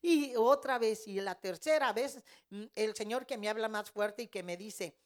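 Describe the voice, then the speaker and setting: A woman's voice: fairly high pitch, moderate pace. A middle-aged woman giving a fervent Christian testimony in an interview, telling her story with emotion. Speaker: care home director.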